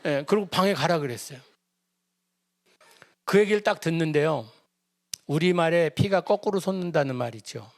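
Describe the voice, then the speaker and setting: Middle-aged pastor with a higher voice. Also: male voice, moderate pace, creaky, pauses often, no echo, clean studio sound. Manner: animated, acts out voices of family members, humorous asides. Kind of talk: storytelling sermon. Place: church prayer service.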